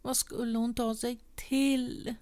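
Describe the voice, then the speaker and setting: A woman reading a short story aloud as narrator, measured and at times sinking to a whisper. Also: fairly high pitch, level tone, darkish tone. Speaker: audiobook reader.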